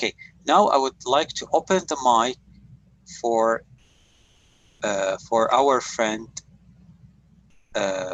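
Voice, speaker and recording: Speaking at a very slow pace, a man with an Arabic accent keeps to a medium pitch. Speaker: English teacher. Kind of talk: online class discussion.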